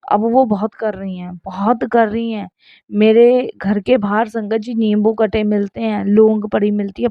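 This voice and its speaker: A woman's voice: mid-range voice, creaky, no echo. A woman in her thirties earnestly sharing a spoken devotional testimony, repeatedly addressing her listeners. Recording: dull lo-fi sound.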